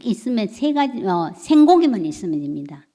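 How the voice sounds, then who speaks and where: A woman is speaking. Her pitch swings very widely. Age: 70s. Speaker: guest speaker on evangelism, church deaconess. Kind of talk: sermon. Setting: church.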